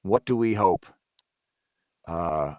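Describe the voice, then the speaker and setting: A man chatting casually as a voice actor guest on a podcast, thinking aloud with halting, repeated phrases. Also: low voice, expressive, a little mellow, dry recording, studio quality. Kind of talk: casual group discussion.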